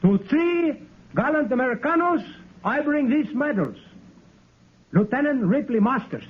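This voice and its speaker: A grand official, swooping pitch, thin phone-like sound, faint hiss. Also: male voice, very animated, unhurried, heavily acted. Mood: ceremonial. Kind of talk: 1950s radio drama acting. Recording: tinny old radio broadcast recording.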